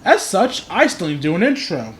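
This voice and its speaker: A man's voice: high voice, huge pitch swings, fairly quick, fairly bright tone, slight background noise. A man doing joking livestream game commentary in a wry, theatrical, self-deprecating manner. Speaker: game streamer. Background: game music.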